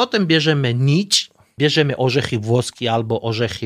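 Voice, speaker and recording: The recording is very clean, with a silent background. A man with a Georgian accent speaks at a moderate pace with lively intonation. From Georgia, Tbilisi. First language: Georgian (speaking Polish). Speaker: restaurant owner and former tour guide. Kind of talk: casual interview. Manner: halting, with hesitations.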